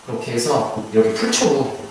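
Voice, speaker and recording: In this online lecture for hanja certification, a man speaks at normal speed with a sing-song, mid-range voice, chattily asking his students questions that he then answers on his own. The room echoes, the mic sits far away, and there's a faint hiss.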